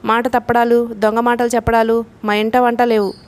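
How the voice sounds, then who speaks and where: A woman's voice: a little high, little pitch movement, moderate pace, a little mellow, close to an everyday voice. A woman reading a sneering young groom. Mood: scornful. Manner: sarcastic, dismissive. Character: scornful young groom, sarcastic and greedy.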